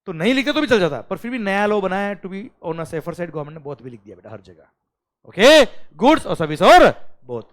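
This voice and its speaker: Animated Indian male tax lecturer, high voice with wide swings; drills terms like a chant. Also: a little fast. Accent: Indian English. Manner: animated teacher, calls students "beta", repeats "clear?" loudly; mixes Hindi with English terms, chants lists rhythmically. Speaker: GST lecturer for accounting students. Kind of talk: live recorded classroom lecture.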